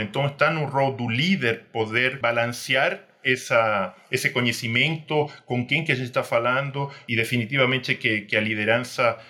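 A middle-aged man from Argentina with an Argentine Spanish accent, a native Spanish speaker, speaking as an interview guest in a reflective, measured way with hesitant restarts. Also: medium pitch, bright, forceful tone. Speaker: guest, security industry executive. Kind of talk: online panel interview.

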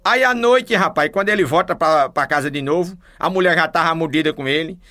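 A man's voice: a little high, a little fast, pushed and bright. A man from Paraíba telling folksy jokes in a chatty way, with a northeastern Brazilian accent. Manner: chatty, peppers talk with "rapaz". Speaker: joke teller.

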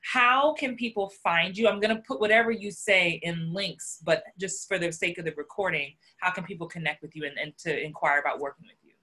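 Bright-voiced woman podcast host. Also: on the low side, fairly quick, few pauses. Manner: enthusiastic, appreciative. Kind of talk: casual interview talk.

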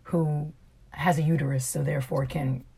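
A woman's voice: low-pitched, steady tone, normal speed, warm tone, slightly rough. A woman co-hosting a casual, candid conversation, who explains things patiently and laughs easily. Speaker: podcast co-host. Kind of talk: frank casual chat.

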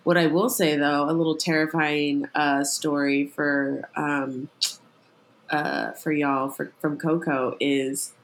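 A woman's voice: low voice, level tone, slow, a little hiss or hum. A woman guest on a podcast, telling stories in a casual, rambling way with lots of filler words. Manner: rambling storyteller, heavy filler "like". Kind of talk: casual chat.

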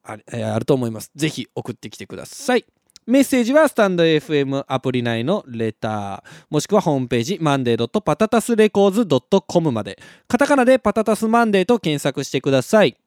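A young man with a Kansai accent, hosting a live radio show and telling stories in a casual, animated way. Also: fairly high pitch, fast, no room sound, clean studio sound. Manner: animated storytelling, laughs at his own story.

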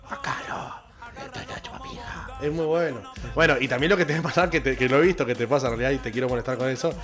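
A man with an Argentine accent in an excitable casual chat as a podcast host. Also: mid-range voice, racing, soft background music.

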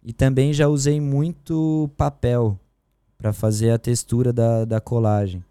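Relaxed slangy man, mellow voice. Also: mid-range voice, measured pace, clean tone, dry recording, studio quality. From Brazil. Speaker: guest painter. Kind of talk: casual interview chat. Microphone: studio mic.

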